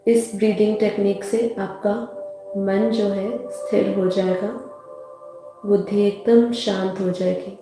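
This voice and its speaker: An Indian woman leads a guided meditation in a soothing, very slow delivery. Her pitch stays flat and even, and she often repeats her phrases. The voice is drenched in echo. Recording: heavily echoing voice over soft music.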